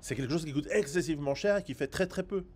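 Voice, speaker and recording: A man who is not a native French speaker, hosting a survival commentary video and talking straight to the viewer in a rambling, animated way with many restarts and sarcastic asides. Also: a little high, quick pace, breathy edge. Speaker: survival author and video host. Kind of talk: direct-to-camera commentary.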